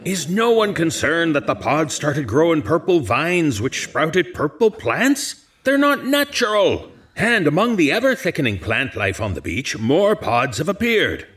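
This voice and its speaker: Anxious husky high-voiced man, acted. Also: very animated, measured pace, few pauses, a bit bright, heavily acted. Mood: worried, earnest. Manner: hesitant, formal. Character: anxious, earnest local politician urging caution. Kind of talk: audio drama dialogue.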